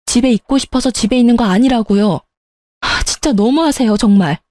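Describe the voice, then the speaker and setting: A woman's voice: fairly high pitch, fairly quick, darkish tone, dry recording. A woman telling a scripted first-person story in a plaintive, aggrieved manner.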